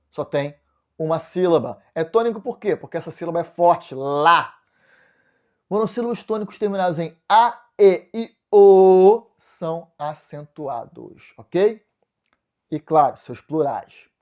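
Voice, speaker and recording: A man's voice: a little high, darkish tone. A man with a Brazilian accent teaching a video lesson, walking through exam answers step by step and answering his own questions. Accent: Brazilian Portuguese. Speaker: Portuguese teacher.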